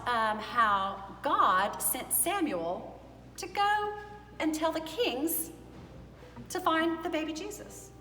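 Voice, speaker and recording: Woman chatting to little kids as story time host, kinda high voice, big echoey room. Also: sharp tone, a little hiss or hum. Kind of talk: casual talk to young children. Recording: echoey, reverberant large room, faint music.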